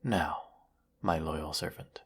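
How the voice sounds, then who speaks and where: A very low, slow-speaking galactic tyrant, acted out by a man for a sci-fi roleplay. He is formal, theatrical and quietly menacing, with heavy gravel in the voice. Beneath the cruelty sits a silky, lonely weariness. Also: exaggerated voice. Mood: soft, coaxing. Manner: measured, theatrical, menacing, formal villainous drawl. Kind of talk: scripted sci-fi audio roleplay monologue.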